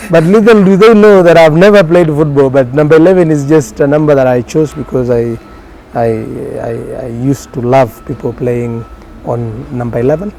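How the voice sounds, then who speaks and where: A man's voice: a little high, mellow, slight background noise, rough recording. A man from Kenya whose first language is Somali, a journalist telling his career story in a casual interview, with many fillers and restarts. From Kenya, grew up in Garissa. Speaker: journalist guest.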